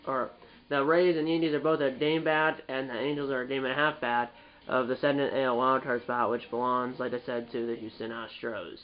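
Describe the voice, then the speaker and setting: A man's voice: medium pitch, lo-fi sound. Stuffed-up young man rambling over gameplay. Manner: rambling, restarts and fillers, self-correcting. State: stuffed up, nasal. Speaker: gaming channel host. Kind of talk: casual gameplay commentary.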